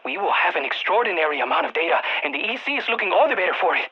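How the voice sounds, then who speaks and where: An actor playing an excitable, nerdy male scientist with a Latino Spanish accent, wordy and theatrical, in video game radio lines. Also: sits high, very fast, husky, muffled recording, full character voice. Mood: urgent briefing. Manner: theatrical, wordy, swinging between glee and exasperation. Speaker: mission scientist giving radio briefings.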